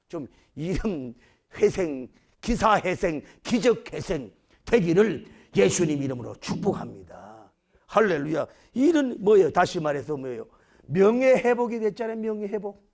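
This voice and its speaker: High-pitched gravelly preaching man. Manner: preaching with acted-out scenes and shouted lines. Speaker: pastor. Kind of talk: sermon.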